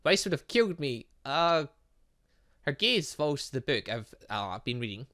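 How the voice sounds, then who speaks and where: A gaming channel host talks through a visual novel let's play in a mid-range, sing-song voice that's fairly bright and measured in pace. He reads passages of the game, chats casually, and thinks out loud with little muttered asides.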